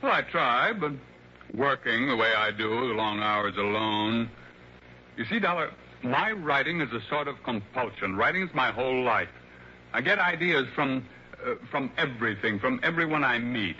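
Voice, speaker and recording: Wealthy author in his fifties, gushing, halting, very bright voice, dull old radio sound, faint hiss. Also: mid-range voice, animated. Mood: brooding. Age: 50s. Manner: gushing, hesitant with fillers, turns somber. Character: wealthy aging male mystery author, effusive and brooding. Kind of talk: 1960s radio drama acting.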